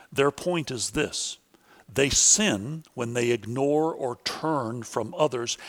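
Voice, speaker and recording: A man reading a scripted academic lecture in a measured, deliberate and formal way, pausing for quotations. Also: medium pitch, a bit bright.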